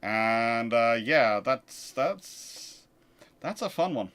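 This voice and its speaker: A man's voice: medium pitch, animated, extremely slow, a bit bright. A man hosting a livestream in a casual, chatty way, answering viewer questions and often repeating words as he restarts phrases. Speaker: livestream host.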